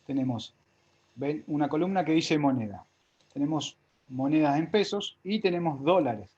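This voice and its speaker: A man's voice: a little high, moderate pace, a little mellow, husky, lo-fi sound. A man teaching a live spreadsheet class step by step, with an Argentine Spanish accent, often checking whether his students follow.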